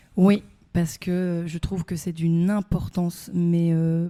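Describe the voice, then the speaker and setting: Dark and mellow in tone, a woman speaks at a fairly low pitch. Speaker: interview guest. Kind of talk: casual interview. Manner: fast; hesitant, many fillers.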